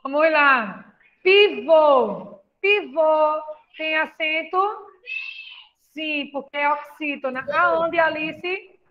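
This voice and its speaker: Female teacher, Brazilian Portuguese accent, high-pitched, unhurried, patient questioning tone, dull lo-fi recording. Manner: patient, questioning, slow and explaining. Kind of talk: classroom lesson.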